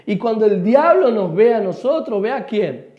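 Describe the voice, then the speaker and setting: A man's voice: high voice, sing-song, normal speed. A Uruguayan man with a Rioplatense accent preaching a sermon, asking the congregation questions and answering them himself. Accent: Rioplatense Spanish. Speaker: pastor. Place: church hall. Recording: echoey church hall, dull sound.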